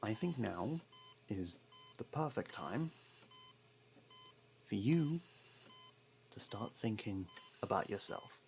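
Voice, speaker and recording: Man acting a deep gravelly, guarded jailbird. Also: very animated, takes it slowly, long pauses, a little hiss or hum, exaggerated voice. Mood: dry, teasing. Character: sardonic, guarded jailbird man, reluctantly worried about partner. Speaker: ASMR roleplay voice actor. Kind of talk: ASMR roleplay, intimate dramatic monologue.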